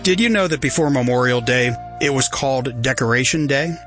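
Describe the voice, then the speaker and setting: A man reading a reflective scripted radio commentary in a measured way. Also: medium pitch, a bit bright, faint music behind.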